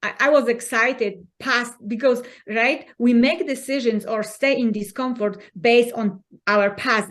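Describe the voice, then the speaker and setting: A woman from Poland with a Polish accent, a podcast guest talking in an earnest, encouraging way with halting non-native phrasing. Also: on the high side. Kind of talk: conversational interview.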